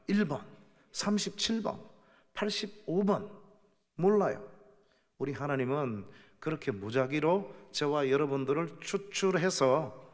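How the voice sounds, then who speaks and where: Emphatic preacher in a reverberant church. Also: male voice, fairly high pitch. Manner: emphatic, questions to the congregation. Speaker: guest preacher, professor. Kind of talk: sermon. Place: church sanctuary.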